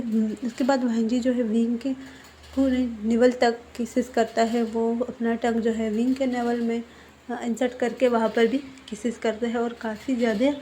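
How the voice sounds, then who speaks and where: A woman retells a fan-fiction story in a chatty, casual tone, full of fillers and restarts. Her voice is fairly high. Faint noise hums underneath. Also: dark tone.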